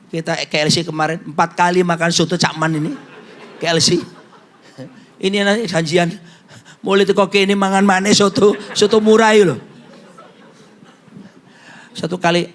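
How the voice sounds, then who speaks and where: A man's voice: sits high, steady tone, normal speed, pauses often. A middle-aged male pastor, preaching a humorous sermon and telling stories in a jokey way. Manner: jokey storyteller, acts out quotes, slips into Javanese phrases.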